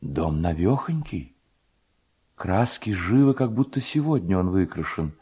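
A male reader plays a dreamy young Cossack from a storybook tale. He muses softly and tenderly, in a low, mellow voice full of wonder. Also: sing-song, unhurried, breathy edge, exaggerated voice.

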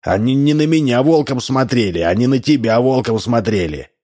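A man's voice: medium pitch, animated, normal speed, mellow, natural voice. A man playing a stubborn, indignant everyman. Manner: plainspoken, indignant.

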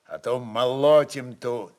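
A man's voice: medium pitch, slow pace, close to an everyday voice. A man voicing a defiant, fierce Cossack chieftain in a dramatized reading, with blunt, challenging, folksy speech. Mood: quiet menace.

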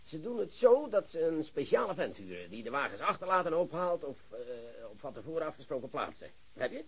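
An actor playing an excitable, boastful police chief who lectures his colleagues in a radio play. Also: fairly high pitch, fairly quick, slightly rough, exaggerated voice. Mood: excited, lecturing. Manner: animated, theatrical, lecturing colleagues. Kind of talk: Dutch radio drama acting.

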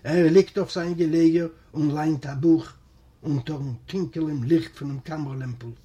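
A man from Eastern Europe reading a literary memoir aloud as an audiobook narrator, in a measured, steady voice. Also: a little high, slightly rough. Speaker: audiobook reader.

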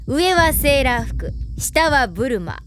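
A crafty teenage club leader in an anime audio drama. Her high voice moves animatedly between teasing and mock politeness, sure of herself, over prominent music. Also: very animated, a little slow. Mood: playful, teasing.

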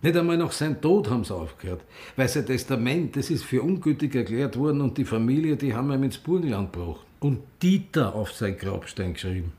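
A man's voice: mid-range voice, animated, brisk, hardly any pauses, mellow, breathy edge. An actor playing an ageing, defiant gay activist who tells of his grief with a Viennese accent, in a radio drama. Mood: sombre, mourning. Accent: Viennese Austrian. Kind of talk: radio drama monologue and dialogue. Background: music.

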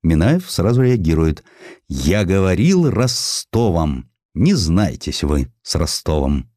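A man narrating a historical sketch in an expressive scripted style, with dramatic, deliberate phrasing. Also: deep voice, dry recording, studio quality. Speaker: audiobook narrator.

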